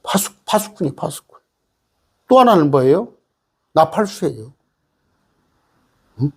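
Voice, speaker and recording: A man's voice: on the high side, very animated, measured pace, darkish tone, slightly rough. A man preaching a sermon as pastor, emphatic and full of rhetorical questions and "eh?" asides.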